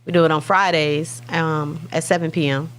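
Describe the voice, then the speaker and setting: A woman's voice: deep voice, steady tone, moderate pace, a little hiss or hum. A woman, a talent agency head, talking casually about her agency and podcast as a guest. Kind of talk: casual chat.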